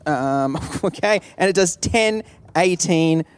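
A man's voice: a little high, takes it slowly, clean tone. A man narrating an improvised tabletop game as game master.

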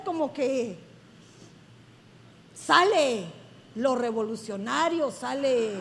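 Woman, pastor, effusive emphatic sermon, very high pitch, reverberant hall. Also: a little hiss or hum.

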